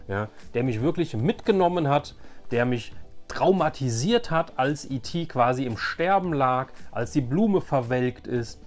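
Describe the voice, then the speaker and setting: A man's voice: medium pitch, a little mellow. Chatty man in his forties, faint music. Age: 40s. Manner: chatty, repeats words for emphasis. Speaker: YouTube host. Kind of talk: casual nostalgic show-and-tell.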